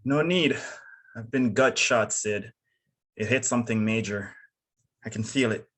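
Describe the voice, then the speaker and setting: A man's voice: lowish voice, unhurried, fairly bright tone. A man playing a gut-shot, resigned and tender man at a drama table read, speaking in a subdued, plain way.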